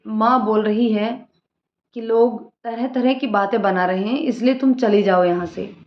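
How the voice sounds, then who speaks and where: A woman voicing a young divorced woman who speaks in a soft, earnest and resolute way. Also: medium pitch, a little slow, close to an everyday voice. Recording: roomy lo-fi room sound.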